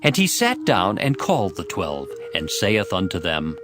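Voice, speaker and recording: A man narrating scripture as a dramatized story, in a measured and expressive storytelling manner. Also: low voice, background noise. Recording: music behind the voice. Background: music.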